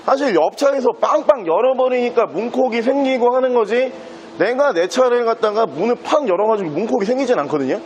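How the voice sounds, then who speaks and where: A man giving a chatty used car salesman's pitch, casually presenting a car and pointing out details as he goes. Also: animated, fairly quick, a little mellow, muffled recording, slight background noise.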